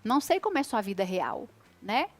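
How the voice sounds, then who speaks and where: A woman in her thirties, a guest expert on a radio talk show, explaining child behavior and acting out gentle words to a child. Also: medium pitch, sing-song, moderate pace.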